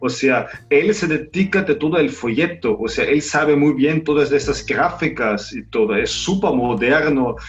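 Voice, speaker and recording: A man's fairly high voice moves at a fairly slow pace with lively intonation and hardly any pauses, set against noticeable background noise. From Vienna, Austria. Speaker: travel company owner. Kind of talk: interview. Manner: halting.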